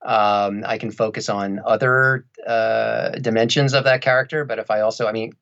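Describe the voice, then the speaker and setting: A man's voice: on the low side, steady tone, normal speed, vocal fry, fairly bright tone, highs cut off. A middle-aged man talking conversationally and a little wryly as an interview guest. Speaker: interview guest, audiobook narrator.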